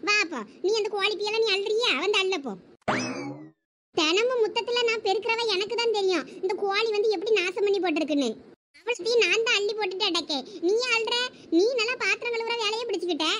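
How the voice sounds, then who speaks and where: This is a cartoon big sister, grumpy and fed up, played by a woman with a Thoothukudi accent. Her voice sits extremely high and squeaky, with blunt, scolding village slang. A faint hiss runs under it. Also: quick pace. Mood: irritated. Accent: Thoothukudi Tamil. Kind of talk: cartoon voice acting.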